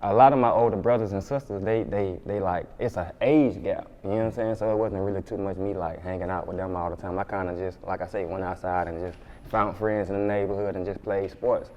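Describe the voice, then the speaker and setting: A man's voice: low voice, fairly even intonation, a little fast, a little mellow, muffled recording. A man from Alabama with a Southern Black accent, chatting casually and informally as an interview guest, often saying "like" and circling back over his words. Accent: Southern Black American, Alabama. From Montgomery, Alabama, USA. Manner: informal, repetitive, says 'like' often.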